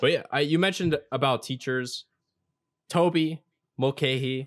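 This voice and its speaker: A man speaks at a fairly slow pace with a fairly high pitch and lively intonation. The background is quiet. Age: 20s. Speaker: podcast co-host, trombonist. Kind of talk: casual interview chat. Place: home room. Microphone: studio mic.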